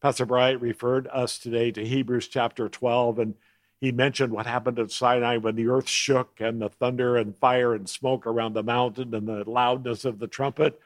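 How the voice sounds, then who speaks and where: A man preaching a sermon as a guest speaker, slowing down to lean on key words and clearing his throat now and then. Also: medium pitch, flat delivery, no room sound. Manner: measured preaching with slowed emphasis on key words.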